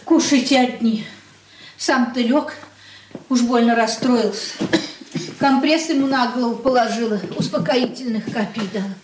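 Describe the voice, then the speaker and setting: A woman's voice: on the high side, normal speed, natural voice. An actress playing a fussing, anxious middle-aged mother in a radio play. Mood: worried. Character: worried aging mother of a merchant family. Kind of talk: 1980s radio play acting. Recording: roomy with faint hiss.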